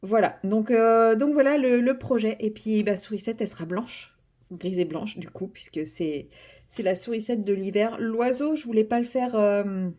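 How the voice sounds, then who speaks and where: A young woman who vlogs about coloring chats casually about her project while she colors. Her voice sits on the high side, warm, at a moderate pace, and she rambles with lots of fillers and restarts, teasing herself along the way.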